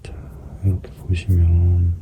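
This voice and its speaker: A man giving a casual explanatory commentary as a skin care practitioner at work, hesitant at times and now and then dropping to a soft murmur. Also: deep voice, monotone, takes it slowly. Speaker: skin clinic practitioner narrating an extraction procedure. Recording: clearly noisy room recording.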